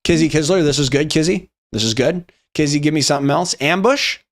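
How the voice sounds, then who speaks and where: A man's voice: a little high, brisk. A young man casually reading out viewer memes on a live stream and riffing on them, often swearing and laughing. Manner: reads memes aloud and riffs, swearing, laughing.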